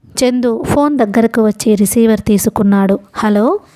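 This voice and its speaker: Mellow-voiced woman narrating a novel. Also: a little high, moderate pace. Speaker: audiobook narrator.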